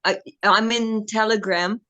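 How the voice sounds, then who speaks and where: A woman's voice: mid-range voice, steady tone, unhurried, sharp tone, dull audio. Chatty woman on a video call. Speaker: participant. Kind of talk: casual video call chat.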